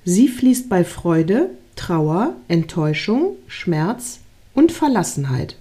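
A woman reading aloud, voicing a patient, proud old male creator god in a storybook tale in a calm tone. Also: lowish voice, slow.

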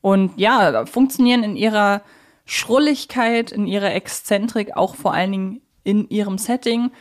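A woman co-hosting a podcast talks about audio drama characters in a casual, thoughtful, opinionated fan discussion. Her voice is mid-range and she speaks at normal speed.

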